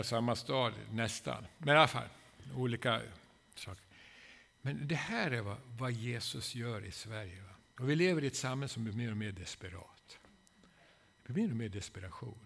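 A man preaching a sermon from Sweden, impassioned and rising to loud pleading, with frequent rhetorical asides. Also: medium pitch, gravelly. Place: church hall. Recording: long church-hall reverb.

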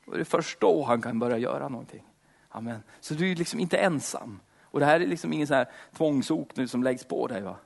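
A man's voice: medium pitch, lively intonation, gravelly. A man preaching, moving from fervent prayer that repeats "Lord" between phrases into a casual, slangy sermon full of fillers.

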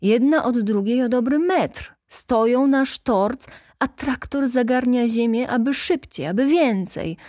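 A woman reading an audiobook, voicing a brisk middle-aged woman activist who tells her stories in a lively, indignant way. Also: a little high, dry recording, clean studio sound, voice pushed up, lightly acted.

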